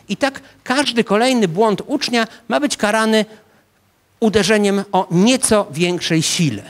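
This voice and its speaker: A man in his fifties lectures a seated audience in an ornate hall, speaking into a handheld microphone. He has a fairly high voice for a man and walks his listeners through the scene like a story, addressing them directly. Small "e" hesitations break up his sentences. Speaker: psychology professor lecturing. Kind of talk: public science lecture.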